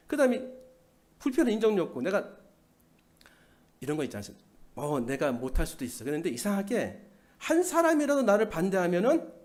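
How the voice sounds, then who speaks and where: A middle-aged male pastor preaching to his congregation in a church. His voice sits a little high for a man and leaps widely up and down. He shifts from loud bursts to quiet, almost whispered asides, and keeps asking questions and answering them himself. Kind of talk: sermon. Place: church sanctuary.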